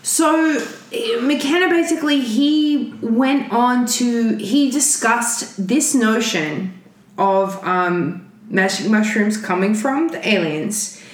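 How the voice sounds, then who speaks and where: A woman co-hosting a casual podcast, talking in animated bursts, swearing freely and often restarting her sentences. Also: fairly high pitch, slow pace. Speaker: podcast co-host. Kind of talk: casual chat. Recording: roomy echo.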